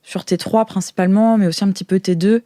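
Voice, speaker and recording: A woman playing a flustered insider guide in an improvised audio role-play, explaining things in a halting, hesitant way. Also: mid-range voice, fairly even intonation, dark tone, no echo, studio quality, close to an everyday voice. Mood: earnest. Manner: hesitant, halting, searching for words.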